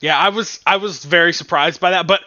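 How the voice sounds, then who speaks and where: A man's voice: a little high, a little fast, pushed and bright, no room sound, dull audio. A man co-hosting a casual film review podcast, chatting in a joking, teasing way. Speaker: podcast co-host.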